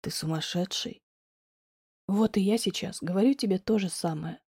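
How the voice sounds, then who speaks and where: A woman voicing a soft-spoken young man, low and coaxing. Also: moderate pace, husky, dry recording, clean studio sound, lightly acted. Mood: gentle. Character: tender, insistent young man.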